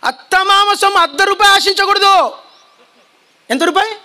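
High-pitched fiery shouting preacher man. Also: normal speed. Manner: shouting, calls on the congregation to repeat. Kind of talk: fiery sermon. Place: church hall before a congregation.

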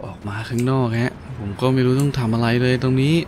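A man's voice: medium pitch, steady tone, fast talker, noisy background. A man giving casual gameplay commentary, playful and crude, with slangy talk and frequent exclamations. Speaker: gaming host. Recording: game music behind the voice. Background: game music.

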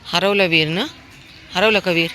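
Dog-owner vlogger, woman, chatty and affectionately scolding, bright tone, phone mic. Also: lowish voice, fairly even intonation, normal speed, a little hiss or hum. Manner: chatty, fondly scolding and coaxing her dog. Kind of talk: casual pet vlog commentary. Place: outdoors on a walk, later at home.

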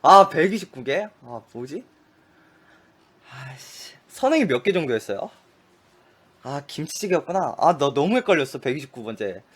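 A man's voice: mid-range voice, very animated, normal speed, pauses often, breathy edge. A man playing a memory quiz game aloud, rattling off short clipped answers and cursing at his own mistakes. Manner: frustrated outbursts and muttered curses at mistakes. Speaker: gaming streamer.

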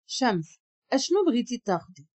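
A woman voicing a quiet, reserved young male boss with a Moroccan accent, speaking briefly and calmly. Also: very high voice, a little fast, breathy edge, full character voice. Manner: brief and calm.

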